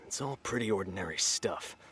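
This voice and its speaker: An actor playing a shifty, dismissive black-market crook in a video game, talking in a casual grumble. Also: male voice, deep voice, expressive, fairly quick, bright, forceful tone. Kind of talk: English video game voice acting.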